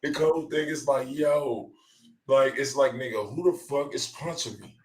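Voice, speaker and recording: A man's voice: mid-range voice, measured pace. An American man hosting a talk show with casual, hyped banter in slangy, repetitive street talk. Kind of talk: casual hype banter about celebrity clips. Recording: roomy echo.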